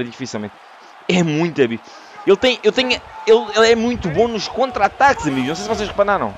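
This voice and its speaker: A man with a European Portuguese accent commentating his own fight game, excitable and lurching from yelling to groaning. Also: fairly high pitch, noisy background. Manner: animated, swings from yelling to groaning. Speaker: gaming YouTuber.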